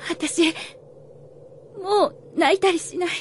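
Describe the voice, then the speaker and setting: High-voiced grieving young maiden. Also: female voice, fairly even intonation, slow, a little hiss or hum. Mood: tearful resolve. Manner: soft, emotional. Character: tender, grieving young woman in love. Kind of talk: Japanese fantasy radio drama acting.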